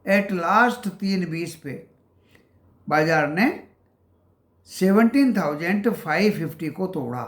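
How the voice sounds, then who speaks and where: A man hosting a stock market channel, giving casual market commentary. He calls his viewers friends and walks through price levels with many pauses. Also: high voice, expressive, a bit bright, roomy sound.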